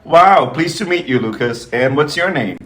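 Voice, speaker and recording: A friendly English teacher, played by a man in a course audio dialogue, with a bright, slightly high voice. He greets his students in clear, textbook phrasing. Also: lively intonation, unhurried. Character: adult male English teacher greeting a class.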